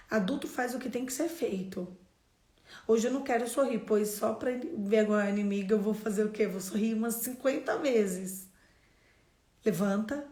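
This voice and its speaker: A Brazilian woman leading a devotional, preaching with emphatic, exhortative drive and sudden loud bursts. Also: mid-range voice. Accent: Brazilian Portuguese. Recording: echoey room.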